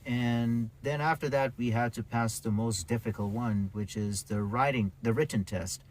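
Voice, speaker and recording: A man's voice: mid-range voice, normal speed, low-quality recording. A man in his forties from Pakistan, speaking conversationally as he explains things like a taxi driver being interviewed. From Pakistan, grew up in Karachi, later the UK. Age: 40s.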